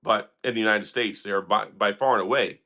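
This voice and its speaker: A hoarse man, sick for days, hosting an opinionated tech commentary vlog in a sarcastic, critical, rambling manner. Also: fairly low pitch, steady tone, a little fast, sharp tone. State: hoarse, recovering from illness. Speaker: tech video host.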